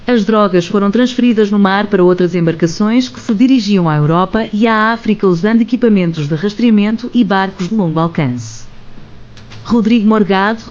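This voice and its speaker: News narrator, even scripted read, lo-fi audio, no drama. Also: medium pitch.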